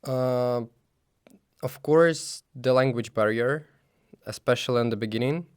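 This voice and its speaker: A young Ukrainian man talks through his experiences at an unhurried, halting pace, often pausing on fillers and repeating words. His voice is smooth and clear, recorded close with a dry sound. He sits at a middle pitch for a man. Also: dry recording. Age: young adult. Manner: slow, halting, many fillers and restarts. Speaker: student guest. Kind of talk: interview answers.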